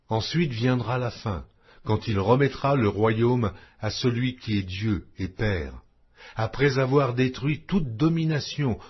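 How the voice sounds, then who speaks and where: A man reading scripture aloud in a slow, measured, expressive way, with a husky voice. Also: mid-range voice. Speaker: Bible reader. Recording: dull lo-fi audio.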